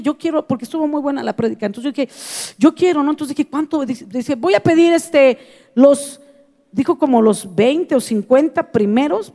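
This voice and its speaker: A high-pitched woman with a Mexican accent delivers a sermon as a preacher. She tells her stories in an animated way and acts out her own reactions as she goes. Her voice rings with the long echo of a large hall. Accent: Mexican Spanish.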